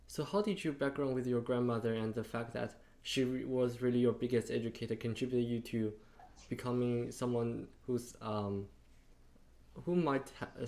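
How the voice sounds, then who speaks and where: A man hosting a podcast, asking polite, somewhat halting interview questions. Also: medium pitch, dark tone. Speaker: podcast host.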